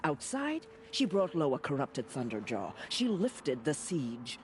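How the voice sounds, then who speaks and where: A man's voice: a little high, huge pitch swings, measured pace, slight background noise. A man playing an earnest tribal warrior who gives a proud report.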